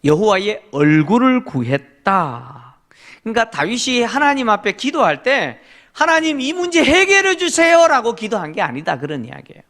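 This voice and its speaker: A man's voice: high-pitched, sing-song, moderate pace, a bit bright. A middle-aged man preaching a Korean sermon as pastor, emphatic, asking the congregation rhetorical questions and affirming with short interjections. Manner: leads congregation in reading scripture aloud.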